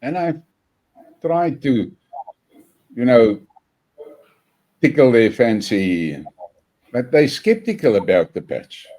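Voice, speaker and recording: A South African man hosting a casual interview, speaking haltingly with fillers. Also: mid-range voice, sing-song, warm tone, low-quality recording. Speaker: host.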